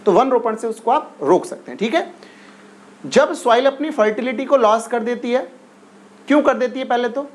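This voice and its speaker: A man teaching an exam-prep class in a high, bright-toned voice. He repeats each question several times and keeps urging his students to answer fast. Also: expressive. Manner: repetitive, coaxing, drills questions and urges quick answers.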